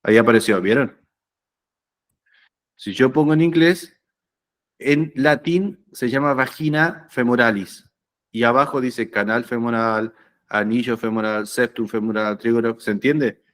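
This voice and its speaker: A man's voice: medium pitch, a little slow, fairly bright tone. A man giving an anatomy lecture, conversational and often checking that students follow. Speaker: anatomy teacher. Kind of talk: lecture explaining slides.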